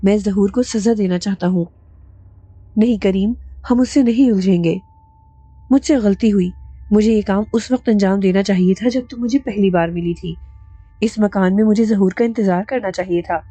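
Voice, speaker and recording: A woman's voice: mid-range voice, mellow, dry recording, muffled recording, close to an everyday voice. Woman doing a stern, protective young husband. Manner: firm and insistent.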